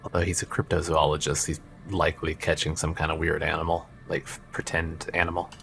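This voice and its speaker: A man's voice: extremely low pitch, monotone, brisk, creaky, fairly bright tone, slight background noise. A man hosting a let's play, reading dialogue aloud and joking around in a rambling, self-interrupting way. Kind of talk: casual game commentary and reading dialogue.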